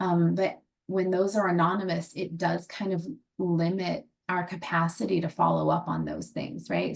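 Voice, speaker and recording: A woman's fairly low, vocal-fry voice with an American accent, at a fairly slow pace with ordinary pitch variation. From West Virginia. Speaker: lecturer. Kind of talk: lecture.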